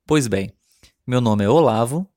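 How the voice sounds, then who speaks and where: A man's voice: mid-range voice, expressive, dark tone, dry recording, clean studio sound. Friendly man in his thirties. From Brazil, Rio de Janeiro state. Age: 30s. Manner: clear, friendly, unhurried delivery for language learners. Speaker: podcast host. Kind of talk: scripted solo podcast monologue.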